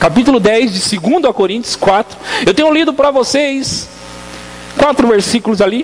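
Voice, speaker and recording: Over noticeable background noise, the speaker keeps a very even loudness and lively intonation while leaving long, frequent pauses. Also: man, extremely high pitch for a man. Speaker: pastor. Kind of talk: sermon. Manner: slow.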